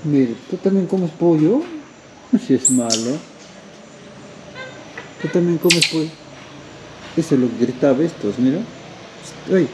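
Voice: medium pitch, expressive, measured pace, long pauses, darkish tone, slight background noise. A travel vlogger with a Peruvian Spanish accent, chatting casually outdoors and cooing fondly at animals. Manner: coos and exclaims fondly at animals. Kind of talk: casual travel vlog commentary. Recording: dull lo-fi with faint outdoor ambience.

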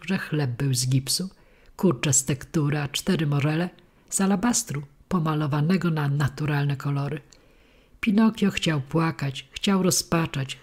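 Husky-voiced woman reading a children's story. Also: low voice. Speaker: audiobook reader. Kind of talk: storybook narration.

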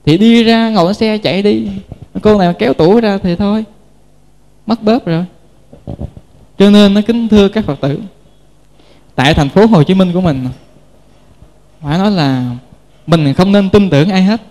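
A man's voice: sits high, a little mellow. A Buddhist monk with a Southern Vietnamese accent giving a folksy, joking sermon and speaking directly to his listeners in a temple hall. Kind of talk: sermon with humorous stories. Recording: reverberant hall.

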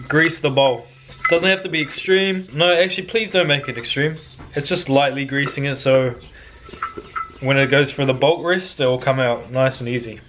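A young man with a voice a little higher than most men's. He talks like a cooking vlogger, giving laid-back, slangy instructions in a casual style. He is recorded in a home kitchen. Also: noisy background. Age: young adult.

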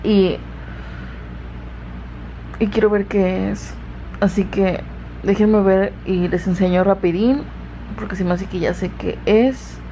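A woman's voice: mid-range voice, steady tone, takes it slowly, long pauses, dark tone. Young woman, casual home vlog, drowsy rambling chat, faint background noise. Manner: chatty, sleepy, rambling. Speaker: beauty vlogger. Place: home, indoors and out in the yard. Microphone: handheld camera.

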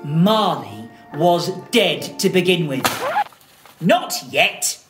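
A woman telling a story to children in a theatrical way, with dramatic, deliberate phrasing. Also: on the low side, sing-song, over music.

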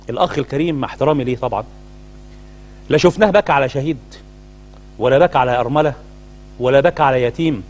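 Fast, fiery Egyptian cleric, man. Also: medium pitch, darkish tone. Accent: Egyptian Arabic. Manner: indignant, hammering rhetorical questions. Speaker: Muslim cleric co-host. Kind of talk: heated studio talk-show commentary.

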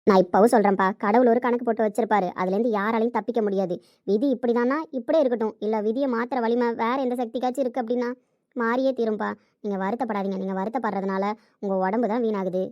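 A woman's voice: fairly high pitch, fairly even intonation, fast, darkish tone, no echo, dull audio, natural voice. A young woman playing a self-sacrificing daughter who pleads with and reassures her father. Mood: pleading. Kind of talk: amateur family drama acting.

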